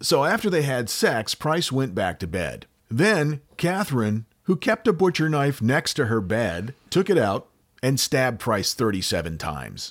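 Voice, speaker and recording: A man with an American accent speaks at a fairly slow pace and medium pitch, with very wide pitch swings and vocal fry. The recording is very clean, with a silent background. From United States. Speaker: podcast co-host. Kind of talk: storytelling podcast chat.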